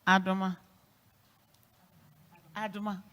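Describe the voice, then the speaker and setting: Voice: mid-range voice, flat delivery, takes it slowly, fairly bright tone, a little hiss or hum. A minister moderating a forum panel, chatty and affirming as they thank and introduce speakers. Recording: echoey hall.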